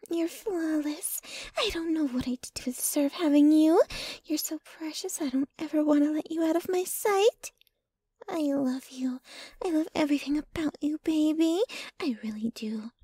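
A woman playing a possessive, jealous young girlfriend in an intimate ASMR roleplay, sweetly menacing, with a breathy voice that often drops to a whisper and a cooing, clinging manner. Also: sits high, dark tone, no room sound. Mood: needy, adoring. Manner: slow, cooing, clinging to the listener.

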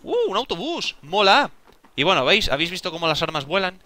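A young man giving casual, excitable gameplay commentary, talking to himself and exclaiming often. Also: sits high, fairly quick. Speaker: gaming video creator.

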